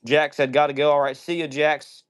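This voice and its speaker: A man's voice: on the high side, level tone, moderate pace, clear, resonant tone. A man hosting a live stream, chatting casually and reading out viewer messages in slangy, upbeat talk. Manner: upbeat slangy greetings, says "dude" and "yo" often.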